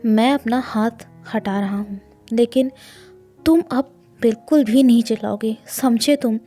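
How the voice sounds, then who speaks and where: A woman's voice: fairly high pitch, measured pace, warm tone, faint music behind. A woman voicing a stern, dominant young man who talks in a firm, commanding, scolding way, reading a storybook scene.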